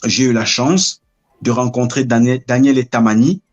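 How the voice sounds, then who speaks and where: Measured Cameroon-born man, deliberate storyteller. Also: medium pitch, dull audio. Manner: measured, searching for words. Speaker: guest. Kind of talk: reflective interview storytelling.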